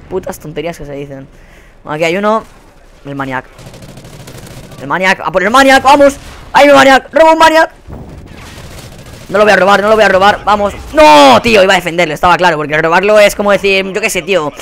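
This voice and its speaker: A young Spanish gamer narrates his match live, his voice sitting a touch high. He swears constantly and flips from grumbling to sudden yells of frustration. Soft game gunfire hums underneath. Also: slight background noise. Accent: Spain Spanish. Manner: profane, exasperated ranting with sudden yelled outbursts. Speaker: gaming channel host. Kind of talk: live gameplay commentary.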